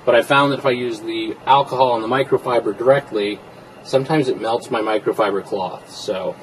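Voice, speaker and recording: A man talks through a car trim install in a relaxed, explanatory way while he works. His voice sits at an ordinary middle pitch. There is a faint hiss behind him inside the car. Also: fairly quick, rough recording. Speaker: car interior DIY reviewer. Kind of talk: casual how-to narration.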